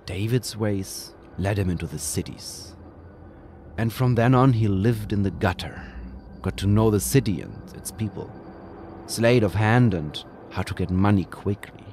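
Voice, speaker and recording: Slow gravelly male horror narrator. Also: lowish voice, a little hiss or hum. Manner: slow, brooding, with hushed whispered passages. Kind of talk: dramatic scripted horror narration.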